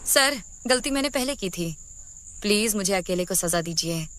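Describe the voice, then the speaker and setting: A woman's voice: medium pitch, expressive, normal speed, a bit bright, no room sound, close to an everyday voice. A woman voicing an anxious young schoolgirl. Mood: pleading. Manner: worried, pleading. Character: anxious young female student. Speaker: student trainee. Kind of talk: dubbed drama acting.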